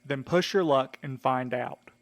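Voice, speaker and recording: A man's voice: mid-range voice, a little slow, background noise, close to an everyday voice. An actor playing a hot-tempered, heartbroken man in an audio drama, blunt and exasperated in his delivery. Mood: threatening. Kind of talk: scripted audio drama acting.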